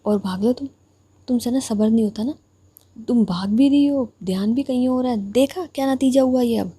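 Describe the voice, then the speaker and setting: Woman doing a loud fiery young girl, stammers when scared, fairly high voice. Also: moderate pace, slightly rough. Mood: scolding. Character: anxious, hot-tempered young woman.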